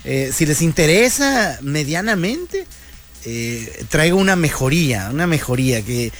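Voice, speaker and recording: A man's voice: a little high, sing-song, a little slow, fairly bright tone. A man, hosting a radio show in a joking, slangy monologue. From Mexico. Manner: joking, slangy, playful banter. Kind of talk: casual comedic radio monologue.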